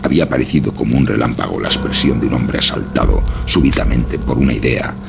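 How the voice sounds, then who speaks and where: Man, horror audiobook narrator, rock-bottom pitch, thick gravelly fry, dramatic scripted reading. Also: fast talker, noisy background. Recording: voice over prominent music.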